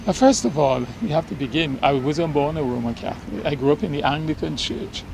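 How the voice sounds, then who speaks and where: A Barbadian man in his sixties, a Catholic priest, answering interview questions slowly and thoughtfully, pausing often with ums. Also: on the high side, gravelly, background noise. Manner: slow, reflective, with many ums.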